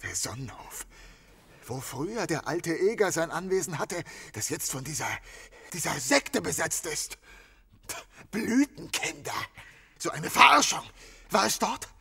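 Man acting an agitated, high-pitched, raspy grieving husband. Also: big pitch swings, pushed and bright, heavily acted. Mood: furious, distraught. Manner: halting, stammering, bitterly swearing. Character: agitated innkeeper husband grieving his murdered wife. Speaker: actor in a crime radio play. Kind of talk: dramatic audio drama acting.

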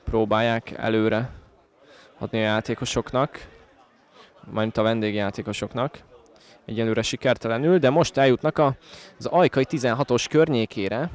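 A man's voice: mid-range voice, steady tone. A man with a Hungarian accent giving conversational live football commentary for the home team. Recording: outdoor stadium with crowd noise. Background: football crowd outdoors.

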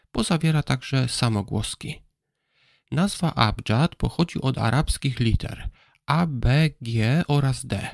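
Man, presenter of a history program, calm explanatory delivery, spells letters slowly, gravelly tone. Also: mid-range voice, no room sound, clean studio sound. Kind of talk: scripted educational narration.

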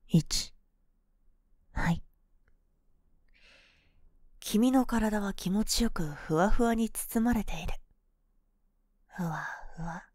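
女性が演じるささやきロールプレイのクールなボーイッシュ女子、ゆっくりした甘い添い寝トーク. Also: female voice, mid-range voice, no room sound, clean studio sound. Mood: soothing, hypnotic. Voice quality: soft, breathy soft-spoken. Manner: coaxing, slow, hypnotic pillow talk. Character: cool boyish young woman, possessive, sweetly manipulative lover. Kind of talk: ASMR role-play, intimate pillow talk. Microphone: close microphone, dry.

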